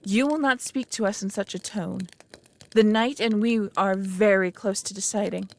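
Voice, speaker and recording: A woman playing an anxious, possessive dragon in an ASMR roleplay, halting and formal, often dropping into breathy half-whispers. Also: mid-range voice, a little mellow, close to an everyday voice. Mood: stern. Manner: halting, earnest, formal wording. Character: anxious, lonely, possessive female dragon, awkwardly smitten. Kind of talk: ASMR roleplay audio drama.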